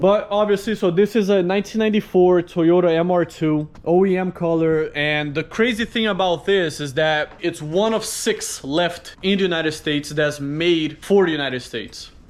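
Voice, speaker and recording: Noticeable background noise surrounds a man with a Portuguese accent who talks at a high pitch and a moderate pace, with ordinary pitch variation and hardly any pauses. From Brazil, moved to New York at nine. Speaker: car YouTuber. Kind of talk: casual vlog tour. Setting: garage.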